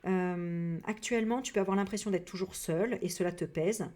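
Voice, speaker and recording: A woman from France giving a casual spiritual reading, rambling with many hesitations and frank, animated asides. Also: fairly low pitch, moderate pace, a little hiss or hum. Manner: rambling, full of hesitations and fillers. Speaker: psycho-energy practitioner and medium.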